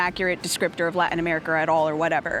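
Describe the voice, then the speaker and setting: A woman's voice amid noticeable background noise. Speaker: voice actor. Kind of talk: interview answer.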